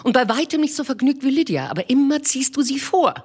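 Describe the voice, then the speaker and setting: A shrill, gushing mother who can't stop pushing her daughters' prospects, as a woman reader puts her on. Her voice shoots up high and swings wildly, breathless with insistence in a literary reading. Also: animated, quick pace, a little mellow. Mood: gushing, insistent. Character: excitable, pushy middle-aged mother, matchmaking wife.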